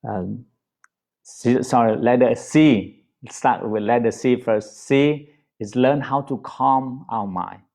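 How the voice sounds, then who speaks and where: A man with a Vietnamese accent giving a Buddhist dharma talk, speaking gently with many pauses and fillers. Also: medium pitch, gravelly. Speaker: Buddhist teacher.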